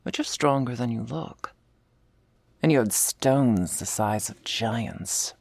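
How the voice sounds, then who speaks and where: Woman performing female half-orc war leader, ASMR role-play, breathy and husky, unhurried, tough yet tender, close dry sound. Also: no room sound, heavily acted. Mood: tender, reflective. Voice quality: low husky, breathy, gravelly voice. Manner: slow confessional delivery, often dropping in a soft voice.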